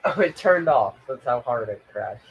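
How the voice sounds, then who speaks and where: A man's voice: mid-range voice, animated, normal speed, creaky, muffled recording, a little hiss or hum. A man streaming a train game, rambling and stammering as he narrates what he is doing in casual chatter.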